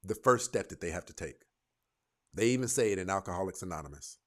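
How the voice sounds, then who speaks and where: A man hosting a live call-in debate show, confrontational, firing rapid leading questions at his guests. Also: low-pitched, animated, fairly bright tone. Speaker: host.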